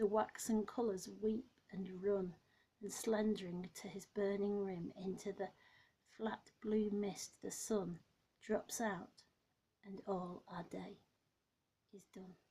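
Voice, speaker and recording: A woman talks at a very slow pace, her tone dark and mellow and somewhat breathy. Her intonation stays flat and monotone while her loudness swings widely, broken by long, frequent pauses. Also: medium pitch for a woman. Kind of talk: poetry reading.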